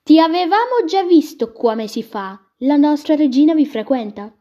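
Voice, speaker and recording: Lady doing a loud slow gypsy king guy, pitched way up, kinda muffled recording. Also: animated. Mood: teasing. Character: gruff older male gypsy king. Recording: dull lo-fi recording.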